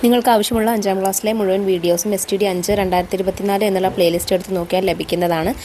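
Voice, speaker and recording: Woman, teacher, online class for children, middle pitch, questioning, slow poem recitation, faint background noise. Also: steady tone, warm tone.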